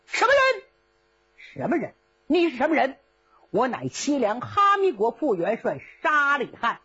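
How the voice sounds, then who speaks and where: Brief: a fierce enemy commander barking challenges, played by a woman, high lively voice, dull lo-fi recording. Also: a little slow, breathy edge, exaggerated voice. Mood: hostile.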